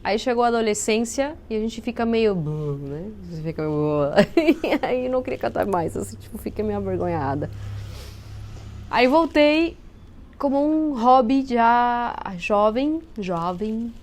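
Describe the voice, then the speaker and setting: Peruvian woman, unhurried explaining. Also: on the high side, lively intonation, a little mellow. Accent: Peruvian Spanish. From Peru. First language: Spanish. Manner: thoughtful, explanatory, searching for words. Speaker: interview guest. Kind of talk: casual interview chat.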